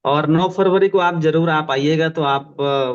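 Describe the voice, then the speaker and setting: A man hosts a video call and asks guests short questions. He is courteous and offers quick acknowledgements and good wishes, in a slightly raised voice. The call audio sounds dull and muffled. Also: a little high, clear, resonant tone. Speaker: interviewer. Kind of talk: hosting testimonials on a video call.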